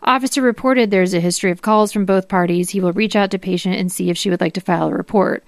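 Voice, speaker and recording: A woman's voice: medium pitch, fairly even intonation, fast, creaky, no echo, clean studio sound. A woman co-hosting a podcast, reading documents aloud and explaining them. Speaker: podcast co-host.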